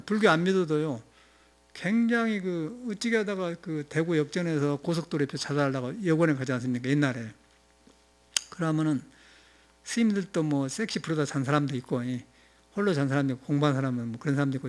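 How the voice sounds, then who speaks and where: A Buddhist monk with a Jeolla accent giving a rambling, conversational dharma talk, often chuckling and dropping in filler sounds. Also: male voice, fairly high pitch. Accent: Jeolla Korean. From Jeolla, South Korea. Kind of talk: informal sermon.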